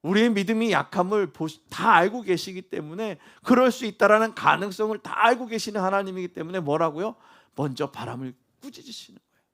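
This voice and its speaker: High-voiced male pastor preaching. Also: expressive, a little fast. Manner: preaching with call-and-response questions to the congregation; swings between loud emphasis and soft near-whispers. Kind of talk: sermon.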